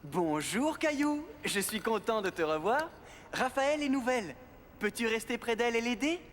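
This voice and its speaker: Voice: mid-range voice, lively intonation, moderate pace, fairly bright tone, slight background noise, lightly acted. A performer playing a patient male children's skating instructor in a cartoon, with an encouraging, instructional manner. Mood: cheerful. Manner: encouraging, clear instructional delivery.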